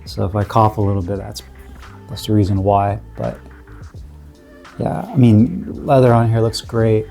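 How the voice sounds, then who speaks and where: Guy with a cold doing a laid back gear review, kinda low warm voice, lots of ums, faint music behind. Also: measured pace, creaky, long pauses. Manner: relaxed, rambling, lots of fillers and restarts. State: coming down with a cold, sniffly. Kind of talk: casual product review.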